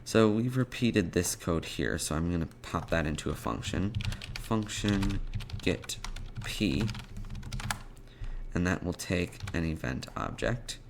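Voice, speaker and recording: A man presenting an unscripted programming tutorial, thinking aloud in a halting way as he types out code. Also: low voice, creaky, background noise.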